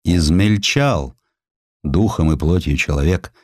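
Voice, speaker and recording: Man acting an impassioned, deep-voiced defense lawyer. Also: no echo, studio quality. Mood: solemn oratory. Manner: emphatic, rhetorical, drawn-out key words. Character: impassioned male defense lawyer, moral and eloquent orator.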